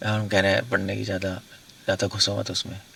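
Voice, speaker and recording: Gravelly male monk giving casual guidance, repeats his points, mic at a distance. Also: deep voice, monotone, fast talker, pushed and bright, slight background noise. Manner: conversational, repeats points, chuckles. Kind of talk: informal spiritual discourse.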